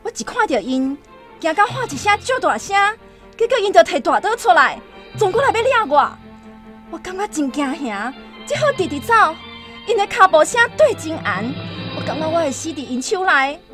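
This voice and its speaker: Frightened young tribal woman, Taiwanese accent, very high, sharp, radio drama, music behind. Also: very animated, moderate pace, exaggerated voice. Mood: frightened, urgent. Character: terrified young tribal woman fleeing her attackers. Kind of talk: dramatic first-person radio drama telling.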